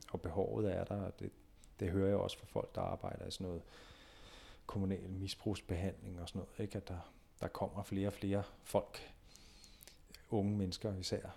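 A man's fairly low, monotone voice with flat intonation and long, frequent pauses. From Denmark, rural. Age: 40s. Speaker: psychologist. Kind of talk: casual chat. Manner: halting, many fillers.

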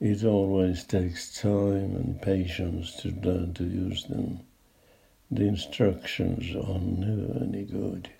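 The man's pitch is very deep and low, with ordinary variation. He speaks at a very slow pace. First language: Finnish. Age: old. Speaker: video blogger. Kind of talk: storytelling monologue.

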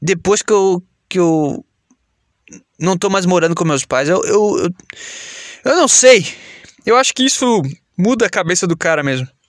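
At a moderate pace with long, frequent pauses, a high-pitched man speaks with lively intonation in a dry, close sound with no echo. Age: 20s. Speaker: podcast host. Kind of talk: casual monologue. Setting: in a car. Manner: halting, repeats words.

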